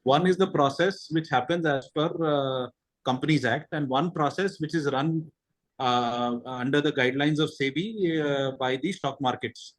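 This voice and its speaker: A man's voice: on the high side, moderate pace, poor audio. A man speaking as a company executive on a conference call, explaining points methodically.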